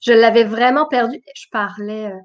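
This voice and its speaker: A woman's voice: on the high side, moderate pace, lo-fi sound. A woman with an accent mixing French and Quebec, hosting a casual conversational interview. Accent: mixed French and Quebec. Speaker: host of an online video interview show. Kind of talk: casual chat.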